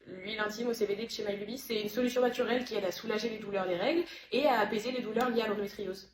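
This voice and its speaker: A woman playing a calm friend giving a soft, matter-of-fact product pitch in a comedy sketch ad. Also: rapid-fire, noisy background, lightly acted. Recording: roomy echo.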